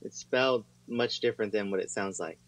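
A man's voice: lowish voice, fairly quick, a bit bright, a little hiss or hum, rough recording. A man repeating words as a learner in a casual lesson, easygoing and giggly. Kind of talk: casual puppet-show language lesson.

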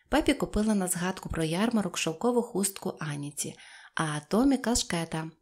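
A woman narrating a children's audiobook in a gentle, even storytelling manner. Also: lowish voice. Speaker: audiobook reader.

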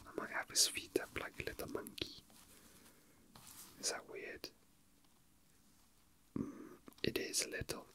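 Soft and breathy, the whisper comes from a young ASMR host seated at a table indoors. His unhurried murmur stops and starts, like casual commentary from someone whose hands are occupied.

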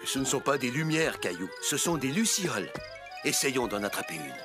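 An older man playing a cheerful, playful grandfather in a French children's cartoon, animated and encouraging. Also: medium pitch, normal speed, close to an everyday voice. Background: background music.

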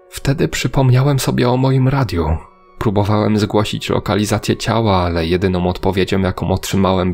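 A man's voice: sits low, creaky, a little mellow. A man narrating a scripted first-person horror story.

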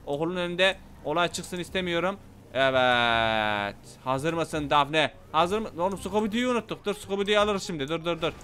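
A man giving loud, playful gameplay commentary, shouting at the game's characters as he plays. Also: a little high, normal speed, slight background noise. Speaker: gaming channel host.

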